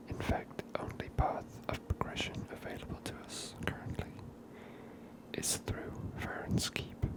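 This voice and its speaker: A man giving gentle, unhurried ASMR game commentary in a breathy whisper, close to the microphone. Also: rough recording.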